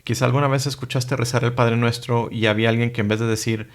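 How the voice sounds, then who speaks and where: A man giving a calm, measured lesson on Catholic prayer, reciting Latin prayers slowly and evenly. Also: medium pitch. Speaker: catholic teacher.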